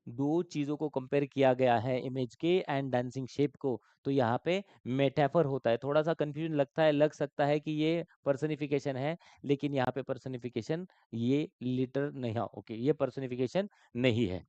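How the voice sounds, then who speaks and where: A man's voice: medium pitch, moderate pace, hardly any pauses, mellow, no room sound. Man, online exam-prep teacher, quizzing and repeating, dry, dull recording. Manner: questioning, repeats terms, mixes English terms into Hindi. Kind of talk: live online class.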